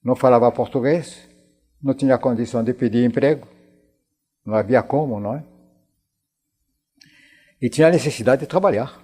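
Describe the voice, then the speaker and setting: A man in his nineties from France, with a French accent, speaking Portuguese as a second language and recollecting haltingly as a veteran guest in a television interview, often repeating words and phrases. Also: medium pitch, warm tone, slightly rough. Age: 90s.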